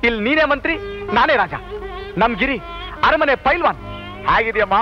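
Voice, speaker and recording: A man's voice: very high-pitched, lively intonation, brisk. An actor playing a wry, good-humoured young man without work. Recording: dull old film soundtrack with music.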